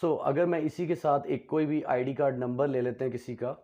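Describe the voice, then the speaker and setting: A man teaching a basic language lesson, switching between Urdu and English and drilling syllables slowly, with frequent check questions to learners. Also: mid-range voice, mellow. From Pakistan.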